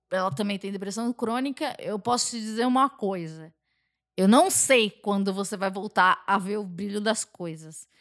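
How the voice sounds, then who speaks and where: A Brazilian woman talking casually as a podcast guest, telling stories in an animated, talkative way. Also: mid-range voice. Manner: talkative, animated storytelling with frequent laughs.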